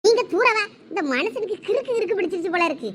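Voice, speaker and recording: A woman's voice: very high-pitched, animated, fairly bright tone, slight background noise. A woman voicing a protective, outspoken middle-aged village mother in a cartoon, with a Thoothukudi Tamil accent and a scolding manner. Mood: indignant. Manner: scolding, quick retorts. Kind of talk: cartoon voice acting.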